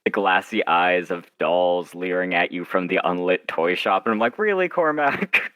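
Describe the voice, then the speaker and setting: Bright, low-voiced man, wry and self-deprecating. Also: clear, resonant tone, dry recording. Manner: self-deprecating, wry, halting with quoted asides. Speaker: author being interviewed. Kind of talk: casual interview chat.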